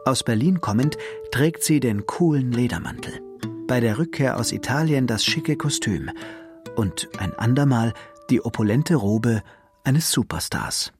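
A man narrating a television portrait in a measured, literary way. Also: mid-range voice, over music. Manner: measured, expressive, literary phrasing. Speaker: documentary narrator. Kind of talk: scripted narration.

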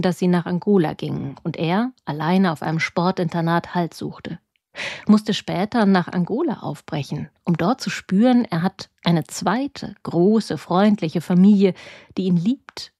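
A woman delivers a scripted radio book review in a measured, serious tone. Her voice sits low and mellow. The recording is close and dry. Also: no room sound. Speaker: radio culture reporter.

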